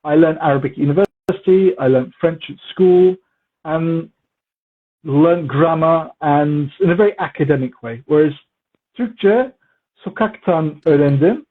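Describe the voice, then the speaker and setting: Brief: man, language teacher, husky, slightly high voice, tinny phone-like sound. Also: unhurried. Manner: relaxed, repetitive for emphasis, mixes in Turkish words. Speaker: English teacher interviewed as guest. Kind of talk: casual conversational Q&A. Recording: muffled phone-like audio.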